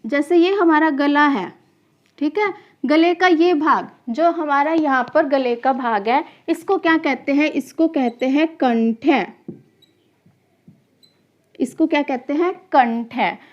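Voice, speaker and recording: A woman's voice: high-pitched, takes it slowly, dull audio. A woman teaching a grammar class to exam students, who keeps asking questions and answering them herself, repeats key terms, and calls her students children.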